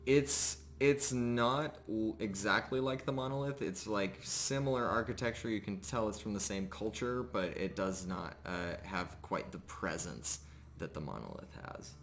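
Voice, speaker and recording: A man narrating a live tabletop roleplaying game as game master, often pausing mid-sentence as he describes things. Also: on the low side, fairly bright tone, a little hiss or hum. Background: music.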